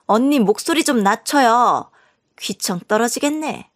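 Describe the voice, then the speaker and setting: A woman's voice: a little high, expressive, unhurried. A woman voicing a rude, shameless young sister-in-law who talks in a brash, entitled way. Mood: defiant.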